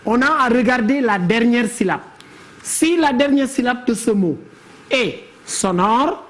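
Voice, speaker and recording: A woman teaching a classroom lesson on verse. She explains step by step and calls on pupils by name. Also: fairly high pitch. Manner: didactic, questions pupils by name.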